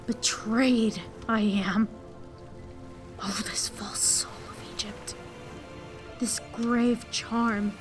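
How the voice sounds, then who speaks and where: High-voiced, betrayed Antony played by a woman. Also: a bit bright. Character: proud betrayed Roman general Antony, passionate and bitter. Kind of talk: Shakespearean audio drama acting.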